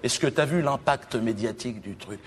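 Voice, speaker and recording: A man from Cameroon performing a provocative stand-up monologue on a theater stage, breaking into loud exclamations. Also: mid-range voice, moderate pace. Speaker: stand-up comedian. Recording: noisy live show recording.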